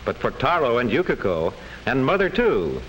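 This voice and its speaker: A man reading scripted classroom film narration in a measured, enunciated storytelling manner. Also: mid-range voice, wildly swooping pitch, a bit bright, poor audio. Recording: old classroom film soundtrack, faint hiss.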